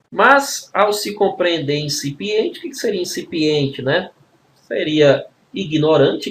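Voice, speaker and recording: Man, grammar teacher, fairly high voice, step-by-step explanations, faint background hiss. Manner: explains spelling rules step by step, with frequent tag questions. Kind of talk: grammar exam-prep lesson.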